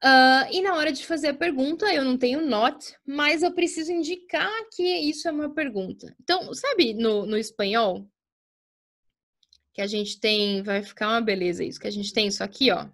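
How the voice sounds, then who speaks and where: A woman's voice: high voice, a bit bright. Chatty woman teaching English. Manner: chatty, checks in often with "tá?" and "certo?"; slows down to spell out English example sentences. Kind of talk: explaining grammar at a whiteboard.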